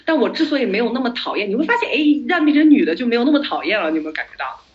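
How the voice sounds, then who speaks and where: A woman's voice: on the high side, racing. A woman podcast host telling stories in a casual chat, dropping English words into her speech. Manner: animated storytelling, mixes in English words. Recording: slightly dull lo-fi audio.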